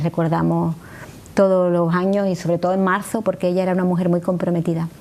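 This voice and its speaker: A woman at medium pitch talking at a very fast pace, with noticeable background noise. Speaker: poetry expert. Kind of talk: TV interview.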